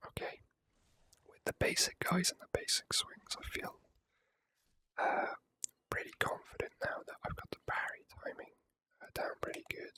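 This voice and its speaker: This is a gaming creator doing ASMR commentary in a soft whisper. The whisper has a bright, crisp edge and never turns into full voice. The delivery is casual and unhurried, with the odd mild swear.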